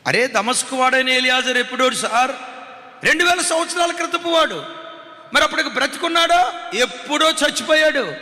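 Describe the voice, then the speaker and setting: A man's voice: very high voice, animated, fairly quick, pushed and bright, roomy sound, in a large hall. A man preaching a sermon as pastor, with impassioned delivery and frequent rhetorical questions to the listeners.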